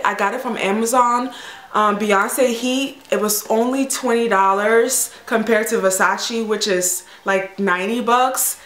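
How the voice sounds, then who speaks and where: A woman's voice: a little high, a bit bright, echoey room. A woman in a casual haul video, chatting in a bubbly, gushing way with lots of fillers. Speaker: fashion vlogger.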